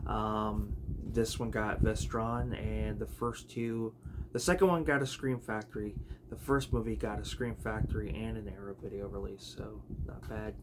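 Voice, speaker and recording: A man chatting casually about his video collection, rambling with many fillers and restarts, his voice a bit raspy. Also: lowish voice. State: raspy, clearing throat. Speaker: home video collector vlogger. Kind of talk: casual unscripted chat. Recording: noticeable background noise.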